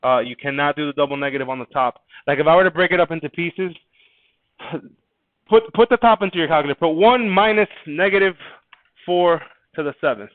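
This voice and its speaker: A man's voice: a little high, a little fast, no room sound. A man teaching a math class, going over quiz answers in a casual, chatty way and often restarting his words. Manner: casual, conversational, repeats words while thinking. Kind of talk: classroom lesson reviewing a quiz. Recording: dry, phone-like narrow sound.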